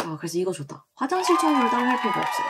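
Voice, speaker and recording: Noticeable background noise runs under a woman speaking with lively intonation. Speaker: vlogger. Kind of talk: casual review vlog. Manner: low energy, subdued.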